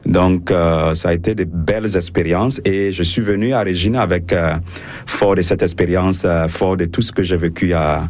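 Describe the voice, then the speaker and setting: Low-voiced priest, halting delivery. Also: male voice, steady tone, darkish tone. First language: French. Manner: hesitant, many fillers and restarts. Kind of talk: radio interview.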